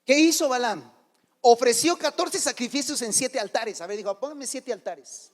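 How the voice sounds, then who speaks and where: A man's voice: very high voice, expressive, normal speed. A man preaching a sermon, retelling a Bible story colloquially and acting out the characters' lines. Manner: colloquial Mexican slang, addressing listeners as brother. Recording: reverberant church hall.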